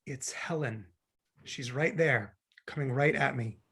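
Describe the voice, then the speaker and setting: Neurotic romantic-comedy bachelor , male actor, gravelly and rough-edged, awkward conversational stammer. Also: medium pitch, measured pace, a bit bright, heavily acted. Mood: shaken, awkward. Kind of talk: table-read acting.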